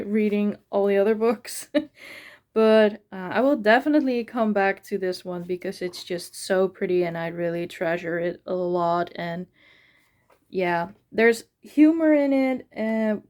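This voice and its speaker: Slow-talking woman vlogging books. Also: medium pitch, darkish tone. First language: Dutch. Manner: hesitant, many fillers and restarts. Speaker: book vlogger. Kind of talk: casual vlog chat.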